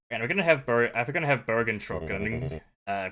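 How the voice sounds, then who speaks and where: With lively intonation, a man talks while music plays in the background. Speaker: video game streamer. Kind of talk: live stream commentary. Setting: live stream. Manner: halting, repeats words; hasty.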